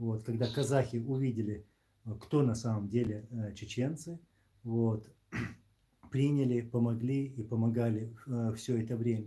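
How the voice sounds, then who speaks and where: Somewhat breathy, a man speaks with a dark, mellow tone. His intonation is fairly even. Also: medium pitch for a man, fairly slow pace. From Chechnya. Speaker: streamer hosting a call-in live stream. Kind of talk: live stream call-in chat. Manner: hesitant, many filler sounds.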